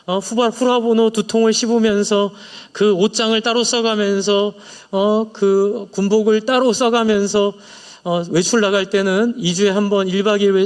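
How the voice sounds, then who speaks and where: A man's voice: high-pitched, in a large hall. A male pastor preaching a sermon in a church, earnestly sharing personal confessions and leading the congregation in prayer. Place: church sanctuary.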